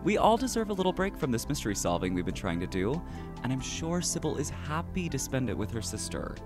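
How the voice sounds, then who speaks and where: A man's voice: mid-range voice, big pitch swings, fairly quick, over music, close to an everyday voice. A man playing an easygoing young friend in an audio drama, with a casual, conversational way of talking. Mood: teasing, fond.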